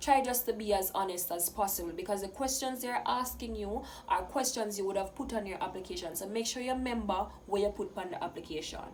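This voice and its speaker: A medium-pitched woman with a Jamaican accent at a fairly quick pace, ordinary pitch variation, noticeable background noise and audible room echo. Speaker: YouTuber. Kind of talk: advice vlog. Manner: fast.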